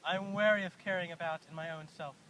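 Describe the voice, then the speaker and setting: A student voicing Christian, an earnest young male soldier, in a quiet, plain school play reading. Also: medium pitch, fairly even intonation, fast, slight background noise, lightly acted. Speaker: student actor.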